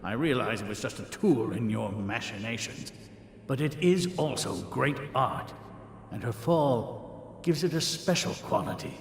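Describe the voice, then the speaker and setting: An actor playing a vain, charming court painter who drawls with wry self-regard. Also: male voice, mid-range voice, a little slow, vocal fry. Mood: wry, musing. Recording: roomy reverberant game space.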